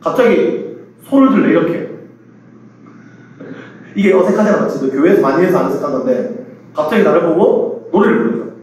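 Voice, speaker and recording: Man, pastor, animated sermon storytelling, mimics voices, distant mic, very echoey hall, faint room hum. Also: fairly high pitch, brisk, pauses often. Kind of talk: sermon to a youth retreat. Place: large church hall.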